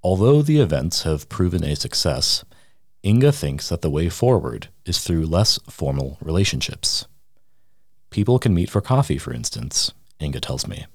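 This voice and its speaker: Low-voiced guy reading a radio feature, dry close mic, calm and measured. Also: dry recording. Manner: measured, reads quotes aloud in the same voice. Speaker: radio reporter. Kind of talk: scripted news feature narration.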